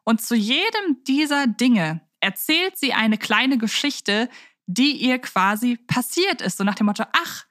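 A woman's voice: fairly high pitch, big pitch swings, measured pace, fairly bright tone, no echo, clean studio sound. A woman co-hosting a podcast in a casual, chatty and enthusiastic way. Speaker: podcast co-host. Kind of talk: casual fan podcast chat.

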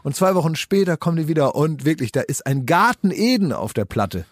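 A man's voice: a little high, big pitch swings, a little fast, no echo, studio quality. A man in casual comedic banter, rambling and teasing, often tagging his colloquial sentences with little questions.

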